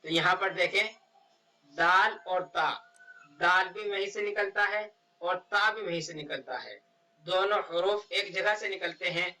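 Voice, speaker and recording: High bright-voiced guy teaching quran reading, slow, spells every syllable out, bit far from the mic. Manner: slow, drawn-out syllable-by-syllable spelling of Arabic words. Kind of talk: step-by-step recitation lesson.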